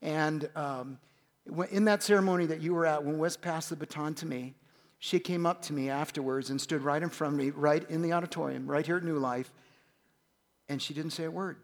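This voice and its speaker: A man's voice: on the high side, a little fast. Man in his fifties in a reverberant hall. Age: 50s. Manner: earnest, with frequent uh fillers. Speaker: church guest speaker. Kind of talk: storytelling on stage. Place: large church auditorium.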